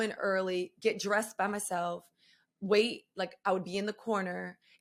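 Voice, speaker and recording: The speech has fairly even intonation, on a very clean recording with a silent background. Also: woman. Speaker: fitness instructor. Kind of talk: interview. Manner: fast.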